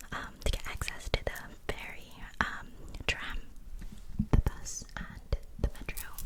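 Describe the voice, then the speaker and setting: A woman whispers at a fairly slow pace with long, frequent pauses over noticeable background noise. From Malaysia. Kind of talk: ASMR whisper ramble, life update. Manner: whispered, soft, intimate.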